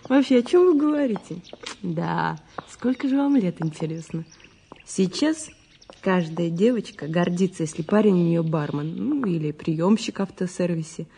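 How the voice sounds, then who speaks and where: A woman's voice: on the low side, lively intonation, normal speed, gravelly, dark tone, slight background noise. An actress playing a chatty, opinionated young woman witness in a naturalistic audio drama, talking colloquially and dismissively. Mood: scornful, opinionated. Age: young adult. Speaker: actor in an audio play. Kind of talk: naturalistic radio drama dialogue.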